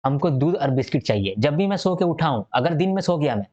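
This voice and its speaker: A man's voice: a little high, expressive, fast, darkish tone, lo-fi sound. A male teacher giving a recorded exam-prep lecture. He explains step by step, repeats key points and keeps checking that listeners follow.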